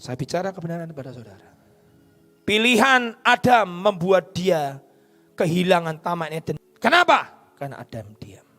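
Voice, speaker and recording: A man preaching a sermon, moving from hushed lines to shouted ones. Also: high voice, sing-song, moderate pace, soft background music. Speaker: pastor. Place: church stage.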